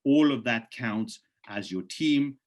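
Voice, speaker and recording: A man hosting a live presentation on a video call, reading out questions from the chat and answering them in a persuasive, urging way, with his voice going hoarse. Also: medium pitch, expressive, slow pace. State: losing his voice.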